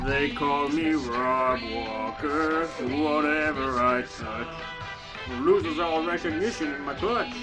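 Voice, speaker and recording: A performer singing as a boastful, brutish big man in a parody villain song, in a drawn-out rhyming sing-song. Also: medium pitch, over loud music, close to an everyday voice.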